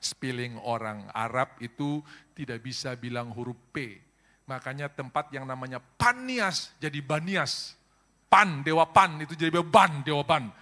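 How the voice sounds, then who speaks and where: A man's voice: a little slow, sharp tone. A middle-aged male pastor preaching a sermon, telling stories with humor and acting out voices, often calling out to the congregation. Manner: humorous storytelling, acts out voices with big pitch jumps; addresses congregation as brothers and sisters.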